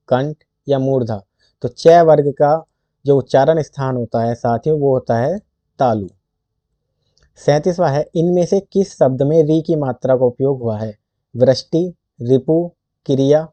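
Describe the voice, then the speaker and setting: A man tutoring for a Hindi exam who reads quiz questions and options slowly, then states the answer, recorded close up in a dry room with dull lo-fi sound. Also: mid-range voice, mellow, no room sound.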